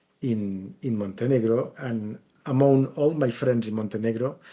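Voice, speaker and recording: With a Catalan Spanish accent, the voice has a dark, mellow tone, a moderate pace and ordinary pitch variation. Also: man. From Catalonia, Spain. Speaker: professor of international relations. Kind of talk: lecture. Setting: lecture hall with audience. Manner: halting.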